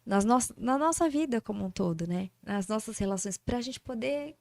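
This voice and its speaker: A woman, a speech therapist speaking as a podcast guest in a lively storytelling manner, acting out dialogue as she talks. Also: a little high, moderate pace, gravelly, no room sound. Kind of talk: casual podcast interview.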